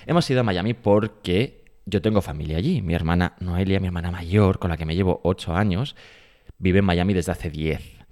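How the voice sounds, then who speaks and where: Spanish man from Spain, very low voice, rambling podcast co-host, chatty and casual. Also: moderate pace, a little mellow. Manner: chatty, rambling, self-interrupting. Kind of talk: casual chat. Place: small home studio with some echo.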